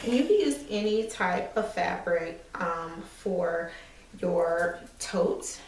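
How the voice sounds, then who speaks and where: A woman in her thirties, slightly hoarse, giving a relaxed, chatty sewing tutorial while working at an ironing board in a small room. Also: fairly low pitch, takes it slowly. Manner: relaxed, chatty step-by-step explaining with fillers. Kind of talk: casual craft tutorial. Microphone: far camera. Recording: echoey room, mic far off.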